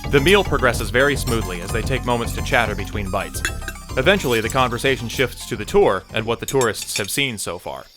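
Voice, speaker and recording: A man's voice: mid-range voice, animated, brisk, over music, natural voice. A man narrating an audio drama in a composed, drily amused storytelling manner. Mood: composed, dry.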